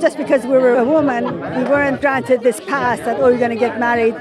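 A woman speaks emphatically in a high voice, recorded from some distance. A crowd murmurs around her in a large hall. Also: little pitch movement, a little fast.

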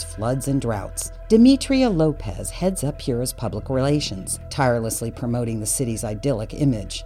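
A woman's voice: extremely low pitch, mellow. A woman reading a dramatic scripted podcast promo in a polished announcer style. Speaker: ad narrator.

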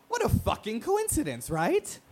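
An actor playing a brash, wounded, proud gay radio talk show host in an emphatic, profane, theatrical monologue. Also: male voice, extremely high pitch, darkish tone, exaggerated voice. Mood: wry, rambling.

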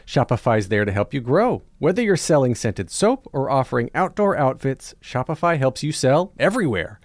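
A man's voice: on the high side, a little mellow, dry recording, clean studio sound. A man doing an upbeat, playful scripted advert voice-over.

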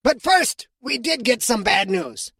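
A man voicing a harsh alien football coach in an audiobook, barking orders and shouting in anger. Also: very high voice, lively intonation, unhurried, no echo, clean studio sound, voice pushed up, exaggerated voice. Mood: stern. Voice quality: gravelly, raspy.

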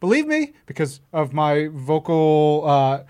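A man's voice: on the high side, sing-song, measured pace, warm tone, clean tone. A man co-hosting a casual interview, talking like an eager, opinionated comics expert who jumps in readily. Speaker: co-host, comics professional. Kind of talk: casual fan conversation.

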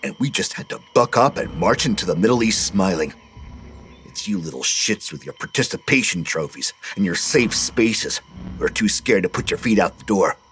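Gruff old vet guy bragging and sneering, deep growly voice, a man doing him. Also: lively intonation, moderate pace, a bit bright, a little hiss or hum. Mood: taunting. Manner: gruff, taunting. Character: boastful old male war veteran, gruff and bitter.

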